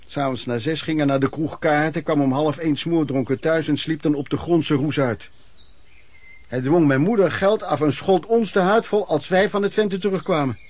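An actor plays an embittered working-class man in a radio drama. His voice sits a little high. He tells of his wretched youth in plain, emotional, colloquial speech, often repeating himself. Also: normal speed, darkish tone, lightly acted. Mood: bitter, indignant. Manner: colloquial, emotional storytelling with repetitions. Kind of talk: Dutch radio play narration, reminiscing monologue.

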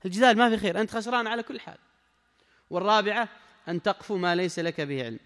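A man's voice: high voice, very fast, fairly bright tone, long reverb tail. A man giving a religious lesson, emphatic and repeating his key phrases as he speaks straight to the listener. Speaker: Islamic scholar giving a lesson.

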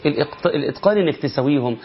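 Brief: Egyptian man, recitation teacher, higher-pitched, quizzes listeners then chants slow verse examples, dull lo-fi audio. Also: lively intonation, breathy edge. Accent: Egyptian Arabic. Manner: asks rhetorical questions and answers them, demonstrates by chanting drawn-out verses. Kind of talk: recitation lesson. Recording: lo-fi muffled recording.

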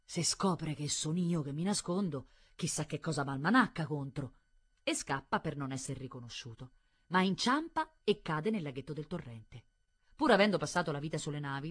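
A woman reading a literary audiobook in an expressive, dramatic way. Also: sits low, husky. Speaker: audiobook reader.

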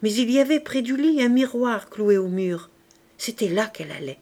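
A woman narrating a classic novel as an audiobook reader, in a measured, expressive way. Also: fairly high pitch. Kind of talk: scripted narration.

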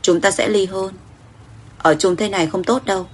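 A woman's voice: mid-range voice, fairly even intonation, normal speed, husky, natural voice. A woman reading the lines of a stubborn, wary young wife who speaks curtly. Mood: cool.

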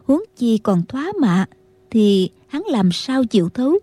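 A woman narrating a martial-arts novel as an audiobook, in a steady storytelling manner. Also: on the high side, measured pace, no echo.

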